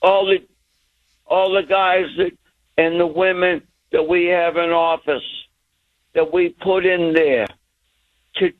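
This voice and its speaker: A man in his sixties rants heatedly over a tinny phone line. His voice sits high for a man, and he speaks at an unhurried, drawn-out pace. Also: steady tone. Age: 60s. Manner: heated, ranting. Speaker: caller. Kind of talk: call-in radio rant.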